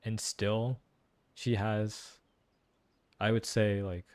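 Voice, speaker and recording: This man's pitch sits fairly low, and he speaks very slowly with a flat delivery. Reacting to a story quest as a gaming streamer, he gives relaxed, reflective commentary and analysis, often repeating phrases to stress a point.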